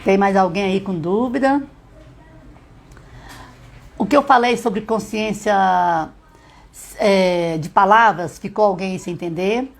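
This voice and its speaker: Middle-aged woman, literacy teacher, live-stream lesson, patient step-by-step explainer. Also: medium pitch. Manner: sounds out letters slowly.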